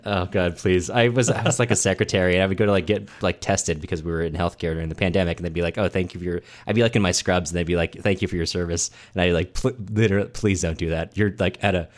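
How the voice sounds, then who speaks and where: Male podcast co-host, low-pitched voice, informal book chat with a wry, wandering delivery. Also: steady tone, quick pace, few pauses. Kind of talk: casual book discussion chat.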